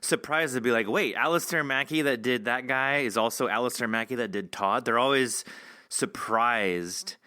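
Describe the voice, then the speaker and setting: A man's voice: mid-range voice, bright, forceful tone, dry recording, clean studio sound. An American man with a Californian accent, chatty and joking as he hosts a casual interview. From California, United States. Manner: chatty, joking, quick to laugh. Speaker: podcast host and interviewer.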